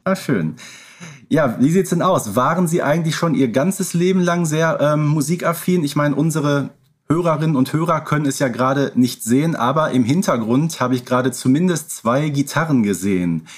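A man's voice: fairly high pitch, moderate pace. A man, chatting and asking questions casually as a podcast co-host. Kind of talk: casual interviewing and chat.

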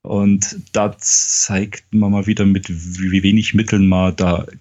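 Ein Mann, der als Podcast-Gastgeber locker über einen Film plaudert und Szenen lebhaft nacherzählt. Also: male voice, low voice, a little slow, lo-fi sound. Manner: animated retelling of scenes, acting out dialogue. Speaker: podcast host. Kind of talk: casual film discussion.

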